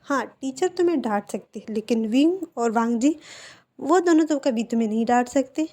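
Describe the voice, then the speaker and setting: A woman voicing a calm older uncle who reassures and explains patiently. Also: a little high, moderate pace. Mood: reassuring.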